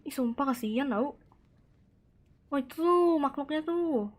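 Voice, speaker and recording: A woman streaming a horror game live, chatting excitedly, reacting aloud and answering her chat, tossing in Japanese words. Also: high voice, measured pace. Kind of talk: live gameplay commentary.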